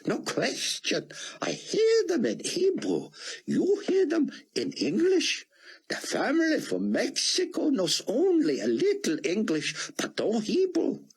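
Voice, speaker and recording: A man voicing an elderly rabbi scholar, speaking in a hushed, trembling voice that rises high in awe. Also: wildly swooping pitch, takes it slowly, gravelly, breathy edge, exaggerated voice. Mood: awed. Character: elderly male rabbi scholar, awed and fervent.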